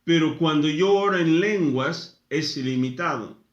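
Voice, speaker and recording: A man preaching a sermon, speaking in short phrases with frequent pauses. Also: a little high, reverberant, dull audio. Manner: slow, deliberate, pausing after short phrases. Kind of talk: sermon teaching.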